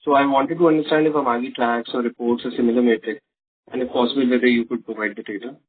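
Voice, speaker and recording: A man with a slightly husky voice asks a polite, hesitant question on an earnings call. The sound is dry and tinny, like a phone line. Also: medium pitch, fairly even intonation, fast talker, no room sound. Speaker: analyst asking a question.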